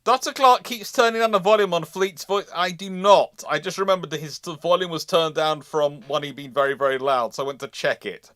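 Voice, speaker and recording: Male livestream host, slightly high voice, casual panel chat, halting when reading questions, very dry sound. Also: fairly bright tone, no echo.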